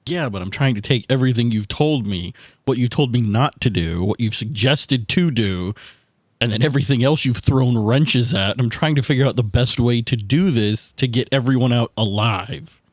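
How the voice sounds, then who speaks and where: This man talks as a tabletop game player, casual and repetitive as he thinks out loud. His voice is mid-pitched and the recording is dry and close. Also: normal speed, dry recording. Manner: repeats himself, thinking aloud. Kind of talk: casual chat during a roleplaying game.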